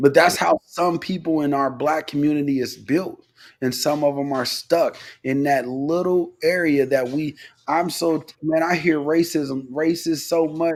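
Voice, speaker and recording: A plain, everyday voice with an American accent talks at a fairly slow pace with fairly even intonation on a very clean recording with a silent background. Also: man, fairly high pitch for a man. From Nebraska, US. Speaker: co-host. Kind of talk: casual chat.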